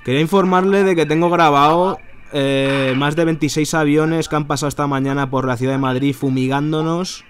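A man's voice: fairly high pitch, fairly even intonation, a little fast, slight background noise. A man with an accent from Spain, talking informally as a caller and commentator, colloquial and indignant. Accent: Spanish, from Spain. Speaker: caller and narrator of his own video. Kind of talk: phone call with informal commentary to viewers. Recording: music behind the voice. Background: music.

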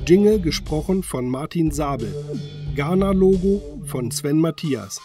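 A man's voice: on the high side, lively intonation, a little slow. A man reading scripted credits as an announcer. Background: music.

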